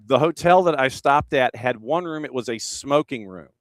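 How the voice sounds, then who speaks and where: A male radio host with a smooth, clear voice tells a story in an easygoing, chatty way. His sound is dry and close to the mic. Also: mid-range voice, normal speed, no room sound. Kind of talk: casual radio chat.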